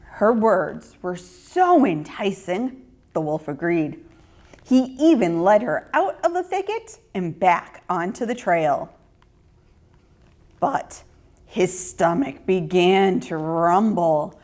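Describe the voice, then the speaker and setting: A woman reading a children's story in an expressive, deliberate narrating style. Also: on the low side.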